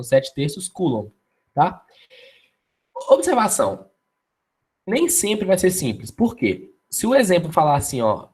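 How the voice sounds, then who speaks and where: A man's voice: medium pitch, a little mellow, husky. A man with a Brazilian Portuguese accent teaching a live online physics class, casual and constantly checking in with his students.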